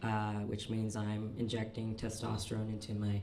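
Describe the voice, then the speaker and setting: A young trans man telling self-deprecating stand-up stories on a comedy club stage, halting often with ums and uhs. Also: completely flat delivery, gravelly, dark tone. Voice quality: fairly low, manly voice. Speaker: stand-up storyteller. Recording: live club recording with audience noise. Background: audience laughter.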